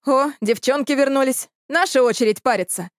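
A woman's voice: high-pitched, fairly quick, no room sound, studio quality, pitched above the performer's own voice, lightly acted. A woman voicing a casual, skeptical young man.

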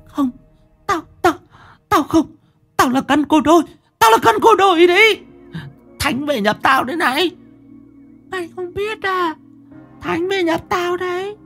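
A man voicing a spiteful female fake shaman turned fiery demon, in a shrill cackling falsetto, with hall reverb and music behind. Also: expressive, a little slow, creaky, pauses often, pushed and bright, heavily acted. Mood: defiant.

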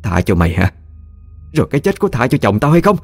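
A man's voice: medium pitch, very animated, fast talker, gravelly, darkish tone, slightly rough, faint music behind, voice pushed up, full character voice. A man putting on a scheming harsh old aunt. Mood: scolding. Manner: scolding, harsh, wheedling.

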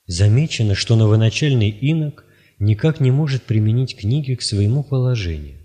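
A man reads a spiritual text in a steady, solemn, measured way. His voice sits fairly low and sounds warm and mellow. The reading is careful and unhurried. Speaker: audiobook reader. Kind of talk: scripted reading of spiritual writings.

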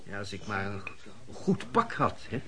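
An actor playing a hard-up, jobless young bookkeeper, meek and wheedling, speaking haltingly in a radio drama. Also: male voice, lowish voice, big pitch swings, heavy background noise. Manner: halting, stammering hesitation. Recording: busy eatery, chatter and clattering dishes. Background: crowd chatter, cutlery and dishes.

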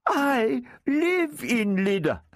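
A man voicing a wily, overly polite male thief who fawns and keeps flattering his captive. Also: extremely high pitch, extremely slow, dry recording, clean studio sound, voice pushed up, full character voice. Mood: wheedling. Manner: fawning, keeps saying my lord.

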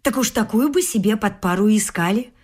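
A woman's voice: mid-range voice, animated, brisk, a little mellow, slightly rough. An actress in a radio play voicing a domineering, grasping middle-aged mother-in-law who scolds emphatically and haughtily. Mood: haughty, offended. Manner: scolding, emphatic nagging with whispered scorn. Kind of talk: theatrical radio drama acting.

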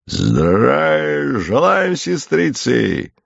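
A man's voice: mid-range voice, big pitch swings, drawn-out words, gravelly, no echo, voice pushed up, heavily acted. A man voicing a cheerful, carefree young male soldier who talks in folksy, jaunty soldier's slang, on a dull lo-fi recording.

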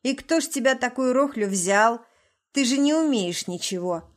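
A woman's voice: on the high side, lively intonation, moderate pace, voice pushed up, natural voice. A woman reading the part of a drunk, abusive middle-aged husband who hisses, sneers and growls. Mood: menacing.

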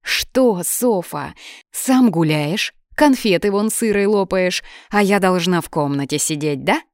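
A woman voicing a feisty, cheeky young red-haired woman with squeaky, loud retorts in an audiobook. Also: animated, measured pace, no echo, studio quality. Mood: defiant.

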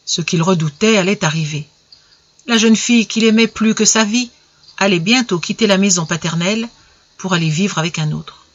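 A narrator reading an old story aloud in a measured, expressive way. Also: medium pitch, highs cut off.

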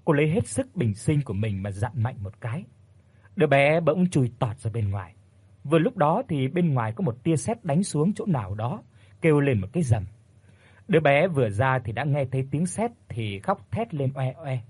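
A man narrates a ghost story in a steady, measured telling. His voice is husky and sits at an ordinary male pitch. The sound is dry and close, with no room around it. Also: no room sound.

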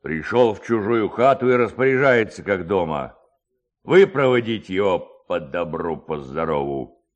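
A man's voice: deep voice, lively intonation, muffled recording, pitched below the performer's own voice. A man voicing a bossy village headman, stern and indignant, in a storybook reading. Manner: stern, indignant, slow menacing delivery.

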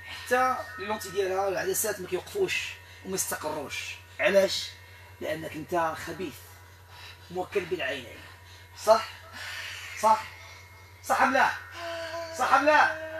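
A man with a Moroccan Arabic accent, performing an exorcism ritual in a stern, repetitive, commanding way that sometimes turns to shouting. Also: high voice, expressive, fairly quick, long pauses. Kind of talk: ritual commands to a possessed person. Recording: echoey room, distant mic, noisy.

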